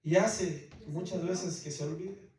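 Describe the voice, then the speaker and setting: This is a man with a high, slightly mellow voice, preaching slowly and with fairly even intonation. As a pastor in a United States church, he stresses his words and calls out to his congregation again and again. The far-off mic captures a very echoey hall and slight background noise.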